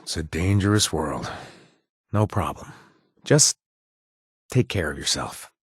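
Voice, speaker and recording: A husky, joking ex-raider game companion, low voice, very expressive, dry booth sound. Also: male voice, takes it slowly, no room sound, exaggerated voice. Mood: caring. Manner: joking, warm and protective. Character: wry ex-raider man, friendly informant. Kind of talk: video game voice lines.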